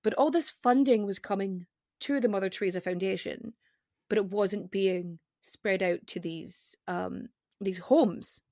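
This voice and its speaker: A woman guest with a regional accent on a podcast, chatting casually and rapidly, cutting herself off with fillers. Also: mid-range voice, darkish tone, dry recording, clean studio sound. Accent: non-standard regional accent. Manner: rapid, self-interrupting, with frequent fillers.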